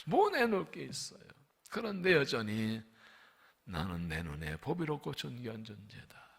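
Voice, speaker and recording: Impassioned gravelly-voiced pastor, lively pitch. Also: male voice, normal speed. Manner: impassioned, swings between soft murmurs and loud pleading cries. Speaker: senior pastor. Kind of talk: emotional early-morning sermon and prayer.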